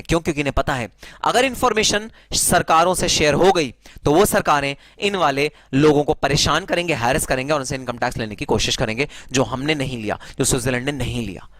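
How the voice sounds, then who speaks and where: A man's voice: fairly high pitch, fairly bright tone, no room sound. A man teaching a tax lesson in a conversational way, mixing in English terms and calling his listeners brother. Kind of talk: classroom lecture.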